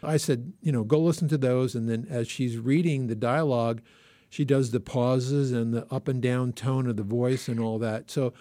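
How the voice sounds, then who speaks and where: A man talking casually on a podcast, circling back and restarting his sentences. His voice sits at an ordinary middle pitch. The sound is close and dry, with no room around it. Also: fairly even intonation, moderate pace, mellow, no room sound. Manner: rambling, restarts often. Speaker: podcast co-host. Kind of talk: casual chat.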